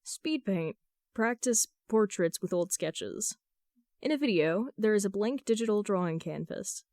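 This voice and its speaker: Female podfic narrator, mid-pitched voice, closely recorded with very little room sound, reading fan fiction. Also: lively intonation, unhurried, darkish tone, dry recording, studio quality. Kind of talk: scripted narration, amateur audiobook reading of texts and story.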